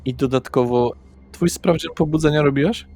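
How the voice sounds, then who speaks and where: A man's voice: on the high side, normal speed, a little mellow. Male game master over faint music. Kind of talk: narrating a tabletop role-playing game.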